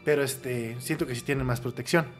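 A man's voice: mid-range voice, steady tone, brisk, soft background music. A man who is a podcast guest, chatting casually and finishing the host's sentences. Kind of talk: casual chat.

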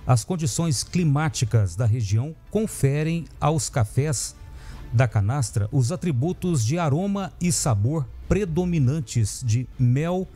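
Male radio news presenter, thirties, mellow tone, steady studio read over faint music. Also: medium pitch. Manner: steady, measured reading of lists. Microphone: studio mic on a boom.

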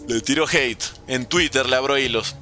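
A man's voice: medium pitch, moderate pace, pushed and bright, soft background music. A nineteen-year-old man from Venezuela, a gaming streamer chatting casually and joking sarcastically while answering viewers. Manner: joking and sarcastic while reading chat questions. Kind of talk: casual livestream commentary.

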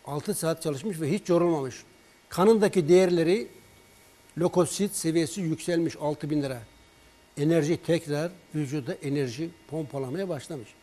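A man telling a patient's story on a health program, lively and acting out both sides of the phone calls. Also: a little high, normal speed. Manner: animated storyteller, acts out patient's and his own words in dialogue. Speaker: herbal remedy expert on a broadcast.

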